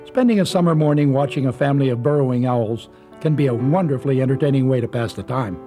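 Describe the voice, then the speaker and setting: A man's voice: medium pitch, fast, over music. A man reading scripted narration for a nature documentary, with outdoor ambience behind him.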